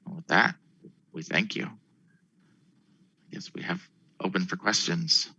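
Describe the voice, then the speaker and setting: A man speaking as a company executive on an investor call, presenting and answering questions in a halting way with repeated words. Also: low-pitched, pushed and bright, slightly rough, lo-fi sound.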